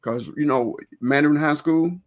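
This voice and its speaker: Hosting a live stream, a man chats informally in a casual interview that includes event plugs. He rambles a little, repeating and reworking his phrases, in a slightly high voice at normal speed.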